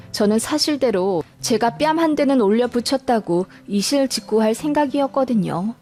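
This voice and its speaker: A woman reads a scripted life story in the first person. Her voice sits somewhat higher than usual for a female narrator. Soft music plays faintly behind her. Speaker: narrator of listener life stories.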